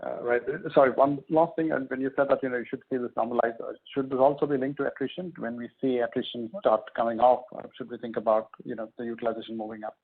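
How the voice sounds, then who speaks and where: A man asking questions as a financial analyst on an earnings call, off the cuff, with a husky, creaky voice. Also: medium pitch, little pitch movement, fast, hardly any pauses. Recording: muffled lo-fi phone line.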